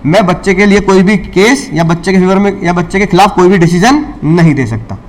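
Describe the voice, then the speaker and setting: High-voiced man lecturing a class. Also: brisk. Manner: asks the class questions and answers them himself, repeats key lines; mixes English legal terms into Hindi. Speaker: law lecturer.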